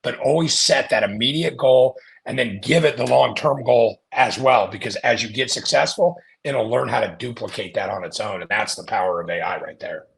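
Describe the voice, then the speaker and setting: A man's voice: mid-range voice, normal speed, vocal fry, few pauses. A man talking as a guest on a podcast, telling stories and acting out the people in them. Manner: animated storyteller, acts out quoted voices. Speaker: podcast guest, marketing company founder. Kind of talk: casual podcast conversation.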